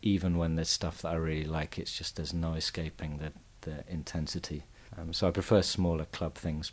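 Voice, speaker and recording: Recorded very cleanly against a silent background, a man with an English accent speaks at a very deep, low pitch with fairly even intonation. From England. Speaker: DJ and technical writer. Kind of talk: casual chat. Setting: home studio in living room.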